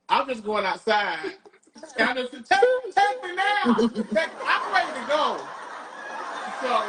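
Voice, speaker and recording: A woman's voice: fairly high pitch, background noise. A woman chatting casually as a guest, with a playful, dryly resigned manner. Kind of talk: casual chat.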